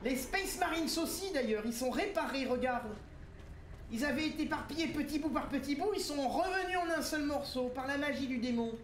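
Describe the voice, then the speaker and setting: A man giving excitable co-op gaming commentary, theatrical and mock-indignant. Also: extremely high pitch, fairly quick. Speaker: let's play commentator. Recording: roomy, distant mic with loud noise.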